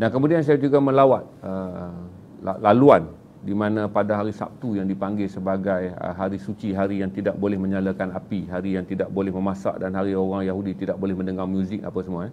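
Fairly low-pitched man with a Malaysian accent, fairly quick pace and fairly even intonation, plus light background noise. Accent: Malaysian Malay. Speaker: streamer and storyteller. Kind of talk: personal storytelling monologue. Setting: studio. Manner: hesitant with frequent fillers. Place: studio. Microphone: lapel.

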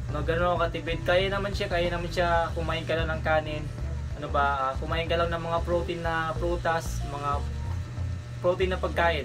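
Clear background music behind a man's moderately paced speech. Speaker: fitness vlogger. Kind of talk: casual vlog chat. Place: home room. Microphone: phone near.

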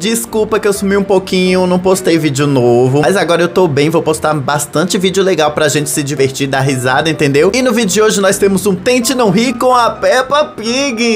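A man talks with hardly any pauses while faint music plays in the background. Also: moderate pace. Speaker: YouTuber. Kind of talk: casual vlog chat. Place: home room. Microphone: studio mic.

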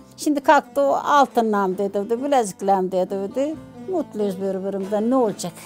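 Faint music plays in the background as a woman speaks with lively intonation. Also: moderate pace. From Burdur, Turkey. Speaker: village wife telling her story. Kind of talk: interview answer. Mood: warm, smiling, reminiscing. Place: home room. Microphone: lapel.

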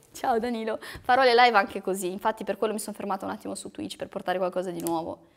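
Spoken at a very fast pace, the voice shows big swings in loudness and ordinary pitch variation. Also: woman, medium pitch for a woman. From Romania. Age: 20s. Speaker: content creator. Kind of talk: casual chat. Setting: studio. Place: studio. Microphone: lapel.

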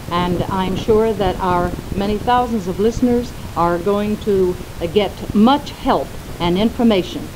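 A woman speaks in an American accent with ordinary pitch variation. Noticeable background noise can be heard. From United States. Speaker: radio host. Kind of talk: radio interview wrap-up. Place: hall. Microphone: old recording.

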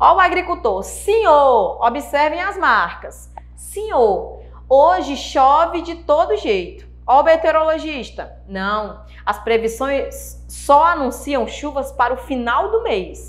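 A woman's very slow, warm-toned speech with music in the background. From Brazil, Maranhão (Imperatriz). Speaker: schoolteacher. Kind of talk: lecture. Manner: warm, friendly. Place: studio. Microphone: lapel.

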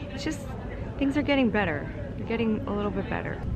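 Dry sound with no echo and clear music in the background. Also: woman. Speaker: travel vlogger. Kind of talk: casual vlog chat. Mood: relaxed, reflective. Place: station. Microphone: phone near.

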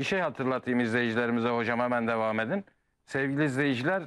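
The background is quiet as a man speaks at a medium pitch. His pitch moves in an ordinary way. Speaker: TV host. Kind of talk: TV interview. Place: studio. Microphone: lapel.

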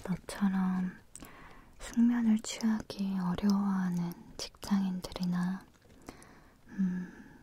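A woman speaks very slowly, leaving long, frequent pauses in a monotone, flat delivery. Noticeable background noise is present, and the sound is dry with no echo. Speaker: ASMR creator, presenter. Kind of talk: soft ASMR sponsored product talk. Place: home room.

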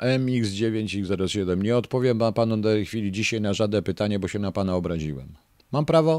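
A normal speaking voice from a man, fairly low in pitch with lively intonation, at a moderate pace, dry with no echo against a quiet background. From Poland. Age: 60s. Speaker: online political commentator. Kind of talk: livestream monologue answering viewer comments. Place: home room. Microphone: handheld.

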